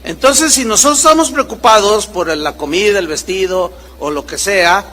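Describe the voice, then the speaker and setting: A man preaches in a high, bright voice with a long reverb behind him, the way a large hall sounds. He swings his pitch widely as he acts out short exchanges between people in his stories. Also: normal speed. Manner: animated preaching with acted-out dialogue voices. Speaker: pastor. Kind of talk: sermon.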